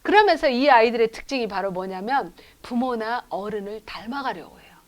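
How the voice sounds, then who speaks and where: A middle-aged woman professor giving a church education lecture, telling lively stories and asking the audience rhetorical questions. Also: on the high side, a little fast. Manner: acts out children's lines in quotes. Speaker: professor lecturing at a lay school.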